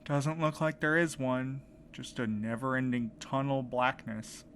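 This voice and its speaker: A man plays an earnest, determined man desperate to find his missing husband. His voice sits at a middle pitch and is hesitant in delivery. It is an audio drama scene with clear ambient noise behind him. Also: steady tone, a little slow, fairly bright tone, lightly acted. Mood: tense, focused. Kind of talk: audio drama podcast acting. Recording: clear background noise, ambient sound bed.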